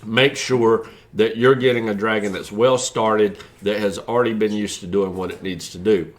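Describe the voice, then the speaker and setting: A man's voice: lowish voice, fairly even intonation, moderate pace. A man who breeds reptiles, explaining care tips in a casual, folksy way with many fillers.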